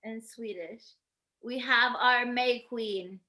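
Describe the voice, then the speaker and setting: A bright, forward female voice on the high side, an actress reading as a friendly village woman in a film drama. She is merry and welcoming, a festival dancer guiding a newcomer. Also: slow. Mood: gentle, solemn. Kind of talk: virtual table read acting of a film script.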